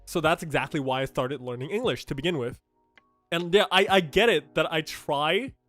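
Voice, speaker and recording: Streamer casting: young man from Thailand, Thai and Japanese native, fairly high voice, blunt chatty gaming commentary, faint music under it. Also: fairly bright tone. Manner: chatty and blunt, with frequent fillers and restarts. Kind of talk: casual game news reaction commentary.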